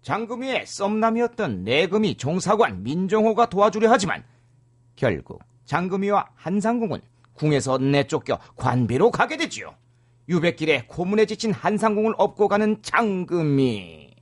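High-voiced, animated male storyteller. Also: normal speed. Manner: theatrical, chatty asides. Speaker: narrator and host. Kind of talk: comic storytelling of a drama plot.

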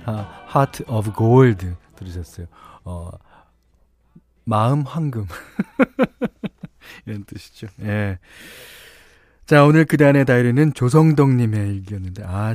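Relaxed male radio DJ. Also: mid-range voice, dry recording, clean studio sound. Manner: relaxed, chuckling, many fillers. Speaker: radio DJ host. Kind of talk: reading listener stories and chatting. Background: soft guitar music.

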